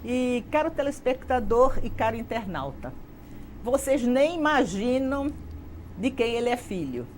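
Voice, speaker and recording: A woman's voice: on the high side, big pitch swings, measured pace, a little hiss or hum. A woman from Brazil hosting a TV interview show, effusive and speaking straight to the viewers. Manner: effusive, addresses viewers directly. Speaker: TV talk show host.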